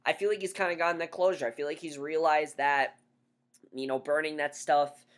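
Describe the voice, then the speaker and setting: A man casually reviewing a TV episode, blunt and opinionated, his voice hoarse after being sick. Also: on the high side, steady tone, a little fast, fairly bright tone. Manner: blunt, opinionated, repeats himself. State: hoarse from recent illness.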